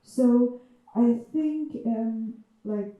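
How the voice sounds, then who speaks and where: A woman's voice: a little high, drawn-out words, phone-quality sound. A woman from China with a Chinese accent giving a reflective talk, hesitant with many fillers and restarts. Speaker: writer and panel speaker. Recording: echoey hall, speaker far from mic.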